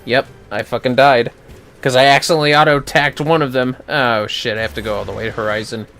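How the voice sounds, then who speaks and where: A man's voice: medium pitch, fairly even intonation, brisk, a bit bright, faint music behind. A man giving casual, foul-mouthed commentary on a gaming livestream, muttering to himself with playfully theatrical outbursts.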